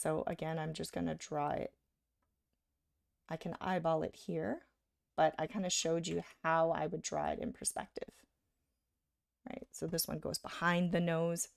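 A woman giving a live drawing lesson, talking casually while she sketches and often checking in with "right?", a little hoarse from being sick. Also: low-pitched, flat delivery, a little slow, pauses often, no room sound, studio quality. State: slightly hoarse from illness. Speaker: art instructor.

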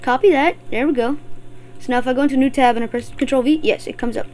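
A woman giving gameplay commentary as a channel host, excitable and swearing often as she talks back at the game. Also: sits high, quick pace, slight background noise.

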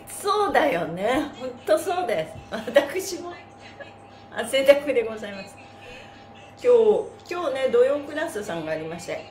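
A middle-aged woman hosting a live stretching lesson, chatting and calling out moves in a bubbly, animated, playfully polite manner. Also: high-pitched, a little slow. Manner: bubbly, animated, playfully polite, addressing body parts and objects with honorifics. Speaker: stretching class host and mime teacher. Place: small room with mat on the floor, indoors. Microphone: phone or camera a metre or two away. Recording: roomy, echoey live-stream sound. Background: music.

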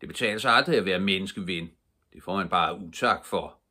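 An older man reading aloud, voicing a pale master criminal who speaks calmly and coldly. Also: deep voice, breathy edge, heavily acted. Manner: calm and cold.

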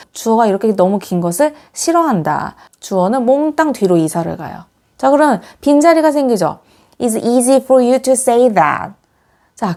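A woman teacher giving an English grammar lesson, explaining step by step and reading the example sentences slowly and clearly. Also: medium pitch, mellow. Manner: patient, explains step by step with many "자" prompts.

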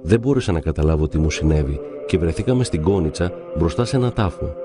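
A man narrating devout stories in a calm, measured reading. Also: extremely low pitch, over music. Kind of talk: reverent scripted reading of saints' stories.

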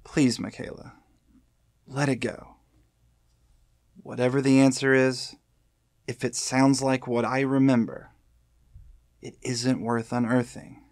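An actor playing a weary, haunted senior FBI agent in an audio drama, speaking in a grave, halting, pleading way. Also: male voice, mid-range voice, flat delivery, darkish tone, no room sound, clean studio sound. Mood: earnest, pleading.

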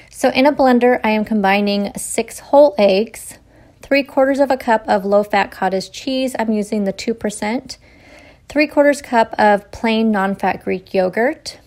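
Young adult woman, cooking vlogger, plain steady instructional delivery, home kitchen. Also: fairly high pitch. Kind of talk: voice-over cooking tutorial.

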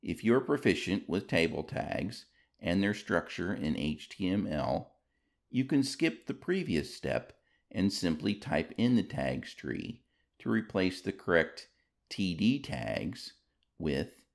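A man's voice: low voice, big pitch swings, slow, creaky. A man reading scripted step-by-step instructions as a tutorial narrator.

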